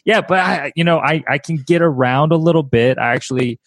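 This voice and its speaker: A man from Louisiana hosting a podcast interview, speaking quickly and with a friendly tone, with hesitant restarts. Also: on the high side, no room sound, clean studio sound. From Louisiana, United States. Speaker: podcast host.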